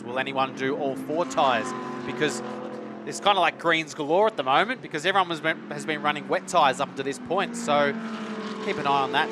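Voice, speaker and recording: Male motorsport commentator amid roaring car noise. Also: medium pitch. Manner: colloquial, explanatory. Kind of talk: live analytical race commentary. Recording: loud trackside car and engine noise. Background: race cars and outdoor ambience.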